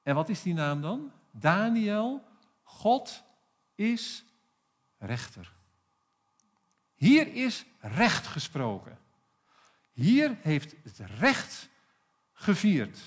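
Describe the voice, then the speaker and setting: A pastor with a South African accent preaching a sermon in a church, emphatic and full of rhetorical questions. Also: male voice, sits high, sing-song, drawn-out words, long pauses.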